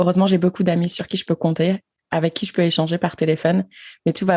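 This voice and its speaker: A woman with a fairly low, dark, mellow voice speaks at a very fast pace in a monotone, with a dry, close sound with no echo. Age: 30s. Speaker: engineer and podcaster. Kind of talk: personal testimony. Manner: hesitant, many fillers.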